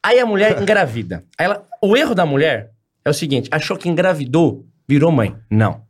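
A man's voice: a little high, sing-song, fairly quick, husky. A man in casual chat, holding forth emphatically with crude humor.

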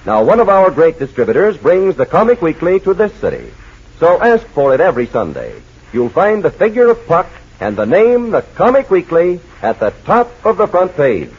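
A man narrating an old radio serial and reading its sponsor plug in a lively selling tone. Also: sits high, moderate pace, breathy edge. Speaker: announcer and narrator. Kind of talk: 1940s radio narration and ad read. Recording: tinny old radio broadcast.

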